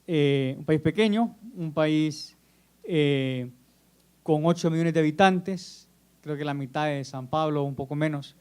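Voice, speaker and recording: Honduran guy giving a conference talk, kinda high smooth voice, lots of eh pauses. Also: darkish tone. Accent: Honduran Spanish. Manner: measured, with frequent "eh" pauses and self-repeats. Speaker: conference speaker. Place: conference hall.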